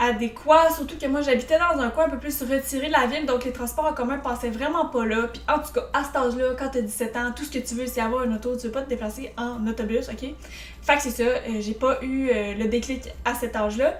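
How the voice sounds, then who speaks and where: A woman's high voice at a fairly quick pace with fairly even intonation, audible room echo and noticeable background noise. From Quebec, Drummondville. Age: 20s. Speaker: vlogger, student. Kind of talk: casual vlog monologue. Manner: casual, many fillers.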